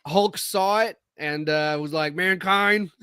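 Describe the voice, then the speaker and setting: A man's voice: high-pitched, drawn-out words, sharp tone, smooth, no room sound, studio quality. A man co-hosting a podcast in casual chat, rambling with frequent restarts, his voice a bit scratchy from allergies. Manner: rambling, restarts often, laughs. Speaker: podcast co-host.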